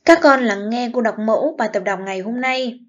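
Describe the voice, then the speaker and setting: A woman teacher giving a reading lesson to young pupils, with slow, clear, expressive model reading and word-by-word explanations. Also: on the high side, highs cut off. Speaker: primary school teacher.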